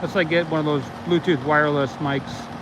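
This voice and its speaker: A man talks with his viewers in a loose, rambling way, his voice a little on the high side. He records outdoors on a phone's built-in mic. Heavy wind noise buffets the sound throughout. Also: steady tone, fairly quick. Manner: rambling, reads viewer comments aloud. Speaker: livestream host. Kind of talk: casual livestream chat with viewers. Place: outdoors near a launch site. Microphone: iPhone, built-in mic. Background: wind and vehicle noise.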